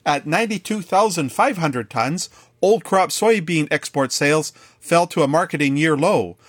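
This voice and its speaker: A Canadian man reading a scripted radio farm market report in a measured newsreader delivery. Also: fairly high pitch, fairly bright tone, slightly rough, dry recording, studio quality.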